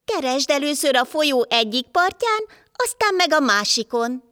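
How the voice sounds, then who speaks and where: Woman playing a sly chorus of storybook jackdaws, bright and high. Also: big pitch swings, dry recording, studio quality, full character voice. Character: flock of frightened, crafty jackdaws.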